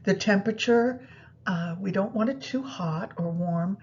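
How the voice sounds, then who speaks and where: A woman guiding a meditation practice in a soothing, unhurried manner, pausing between phrases. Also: a little mellow. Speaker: yoga nidra meditation guide. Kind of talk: guided meditation instruction. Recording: muffled, low rumbling background noise.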